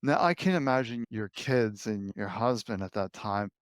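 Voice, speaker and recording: A man hosting an interview, speaking calmly and reflectively, affirming his guest. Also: fairly low pitch, normal speed, clean tone, no room sound, clean studio sound. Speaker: podcast host. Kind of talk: conversational interview.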